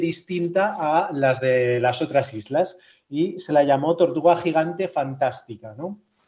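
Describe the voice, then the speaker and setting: Dark and mellow in tone, a man talks at a fairly slow pace with lively intonation. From Spain. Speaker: science news correspondent. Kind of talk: science news report.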